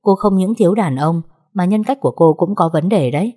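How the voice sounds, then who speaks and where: A cold young man speaks in clipped, contemptuous lines in an audiobook story, read by a woman. The voice is low and mellow, with a dark tone. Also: expressive, a little fast.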